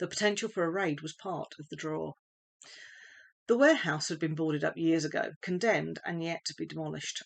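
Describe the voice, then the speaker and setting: With a southeast English accent, a woman talks at a fairly quick pace in a fairly low voice. Her loudness swings widely against a quiet background. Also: ordinary pitch variation. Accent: southeast English (Kent). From southeast England, Kent. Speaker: author. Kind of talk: reading aloud. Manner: unpolished, non-performer reading.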